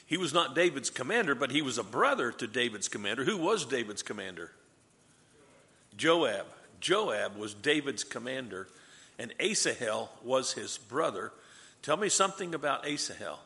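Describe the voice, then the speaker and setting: A man's voice: medium pitch, very animated, moderate pace, pushed and bright, big-room sound. A man teaching a Bible class review. He asks the class questions, answers them himself, and adds light joking asides.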